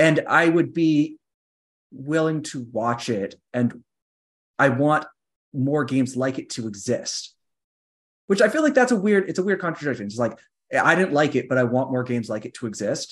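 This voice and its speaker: Against a quiet background, a man with a fairly high pitch and lively intonation speaks at a moderate pace with long, frequent pauses. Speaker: podcast co-host. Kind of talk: casual chat.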